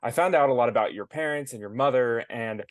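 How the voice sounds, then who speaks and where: Curious, gentle male interviewer. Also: medium pitch, fast talker, dry recording. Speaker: podcast co-host. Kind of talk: interview questions.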